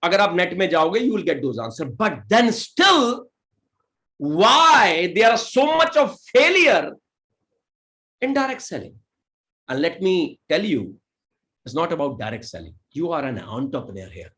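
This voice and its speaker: High-voiced Indian man giving a slow pep talk. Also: sing-song, bright, forceful tone. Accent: Indian English. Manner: mixes slow, deliberate English with rapid Hindi; rallying the audience with questions. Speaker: direct selling leader and motivational speaker. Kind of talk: motivational seminar talk.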